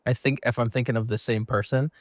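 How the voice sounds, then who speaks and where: A man's voice: medium pitch, steady tone, fast talker, no room sound, studio quality. A man hosting a casual podcast interview, asking questions and teasing his guest. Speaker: podcast host.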